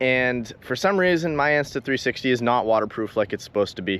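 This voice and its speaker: On a very clean recording with a silent background, a man at a medium pitch talks at a fairly quick pace with lively intonation. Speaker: boating vlogger. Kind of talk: casual vlog narration. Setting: on a boat at anchor. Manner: fast; energetic.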